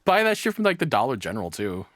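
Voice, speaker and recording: A streamer reacts off the cuff in a blunt, rambling, sweary way. The voice sits at a middle pitch with very animated intonation, recorded close and dry. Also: fast talker, no echo. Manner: blunt, foul-mouthed, rambling. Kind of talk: casual off-the-cuff reaction commentary.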